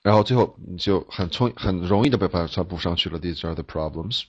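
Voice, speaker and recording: A man's voice: low-pitched, quick pace, darkish tone, husky, lo-fi sound. A man teaching interpreting, explaining step by step, asking rhetorical questions and stumbling over repeated words. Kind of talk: classroom lecture.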